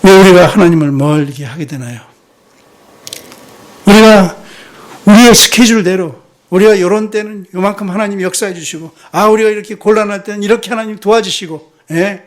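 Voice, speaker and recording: High-voiced male missionary preaching a sermon. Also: normal speed. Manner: asks the congregation rhetorical questions, drops in short affirming "yes" interjections. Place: church sanctuary.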